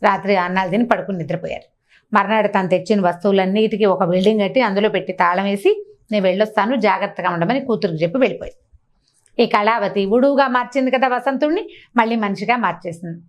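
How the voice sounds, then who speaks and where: A woman storyteller narrating a folk tale in a quick, lively way, voicing each character. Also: mid-range voice.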